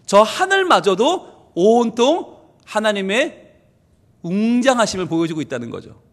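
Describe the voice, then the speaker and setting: A man's voice: high-pitched, big pitch swings, unhurried, big-room sound. A male pastor giving an emphatic, conversational sermon with playful asides, recorded in a church.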